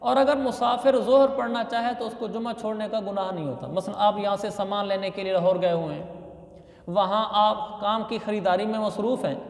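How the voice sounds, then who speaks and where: A man's voice: high voice, fairly even intonation, brisk, gravelly. A man from Pakistan, giving a religious lesson as a mufti and explaining step by step, repeating key phrases. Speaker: mufti teaching Islamic law. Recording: echoey hall with long reverb.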